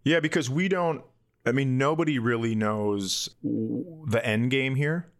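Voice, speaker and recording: A male comedy podcast host with an average-pitched voice. He talks casually, spinning anecdotes and slipping into crude jokes and swearing. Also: measured pace.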